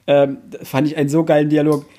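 A man's voice: fairly high pitch, flat delivery, a little fast, dark tone. A man co-hosting a podcast in a casual book discussion, colloquial and blunt, now and then mildly crude. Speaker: podcast co-host.

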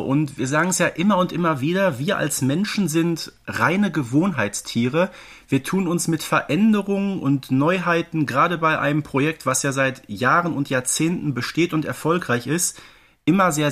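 A man with a German accent talks as a podcast co-host, his voice a little higher than most men's. He explains his points in a conversational way and looks for agreement from his partner. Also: expressive, moderate pace, a bit bright. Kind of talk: conversational fan podcast discussion.

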